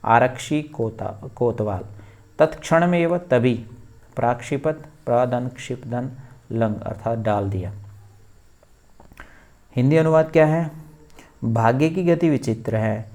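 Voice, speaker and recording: A man's voice: mid-range voice, slow pace, long pauses, a little mellow. A man teaching a textbook lesson, reading and explaining each line word by word.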